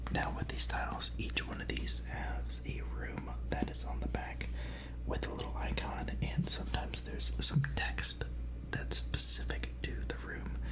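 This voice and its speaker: A soft-spoken man whispers at a fairly slow pace over noticeable background noise. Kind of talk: ASMR board game tutorial. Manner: soft whisper.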